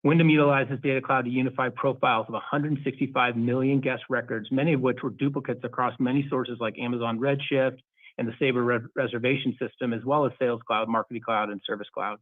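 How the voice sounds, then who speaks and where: A man speaking as a company executive, reading a prepared earnings call presentation in a formal, measured corporate manner over a phone-like conference line. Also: mid-range voice, steady tone, dry recording.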